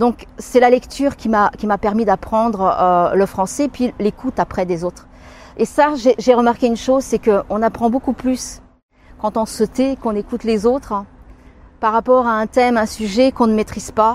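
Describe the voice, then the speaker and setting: A woman speaks at a moderate pace with a fairly high pitch and fairly even intonation. The recording is very clean, with a silent background. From Portugal, moved to France at 14. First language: Portuguese (speaking French). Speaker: therapist and author. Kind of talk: interview. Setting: at a seminar event. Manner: halting, repeats words.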